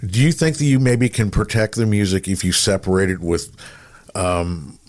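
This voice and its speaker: Middle-aged man, lowish voice, podcast co-host, casual chat, rambling halting delivery. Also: fairly even intonation, a little mellow. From Minnesota, United States. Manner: rambling, halting, repeats himself. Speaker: podcast co-host, radio veteran. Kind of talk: casual conversational interviewing.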